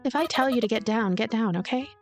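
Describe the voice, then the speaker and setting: A woman's voice: on the high side, fast talker, soft background music, lightly acted. A woman voicing a blunt, dry, grumbling girl who is the heroine of a visual novel.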